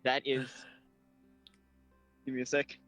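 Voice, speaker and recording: A man's voice: mid-range voice, completely flat delivery, slow, fairly bright tone, no room sound, faint music behind. A man playing a tabletop game, talking casually with lots of stammering and hesitation. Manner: hesitant, stammering, self-mocking. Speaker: player.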